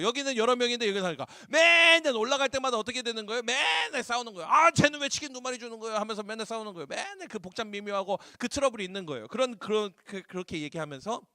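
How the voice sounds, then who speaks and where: Guy youth pastor preaching to teens, high bright voice, animated, acts out little voices, dry sound. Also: dry recording. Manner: animated, acts out voices, asks the crowd questions. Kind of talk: sermon to high school students. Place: church hall.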